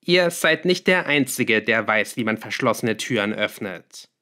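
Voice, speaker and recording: A man voicing a sharp, defiant young male apprentice in an audiobook, asking pointed questions. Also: on the low side, lively intonation, unhurried. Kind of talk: audiobook character voice.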